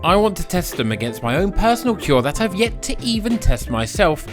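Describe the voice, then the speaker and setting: A man's voice: high-pitched, very animated, a little fast. British man, sweary dry-humoured vlogger, music behind. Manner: sweary, dry, tongue-in-cheek. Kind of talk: casual first-person vlog to camera.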